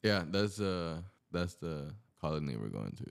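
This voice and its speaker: A man's voice: a bass voice, big pitch swings, slow pace, vocal fry, clean tone, no echo. A man chatting casually in Spanglish on a podcast, switching between English and Spanish.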